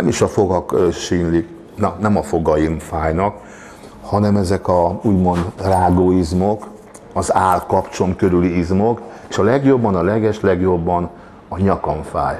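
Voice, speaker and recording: Very slow speech with fairly even intonation over light background noise. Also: man, very deep, low pitch for a man. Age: 60s. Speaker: strongman and former athlete; interviewee. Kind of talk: interview. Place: cafe. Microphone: lapel.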